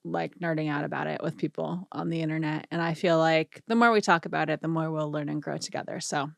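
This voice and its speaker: Low-voiced woman with a tired, fading voice. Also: fairly even intonation, fast, creaky, no echo, studio quality. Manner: chatty, rambling, self-deprecating, nerdy. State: voice tired and going hoarse. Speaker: audio engineering teacher and YouTube host. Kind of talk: casual tutorial talk to camera. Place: small home studio. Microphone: studio vocal mic.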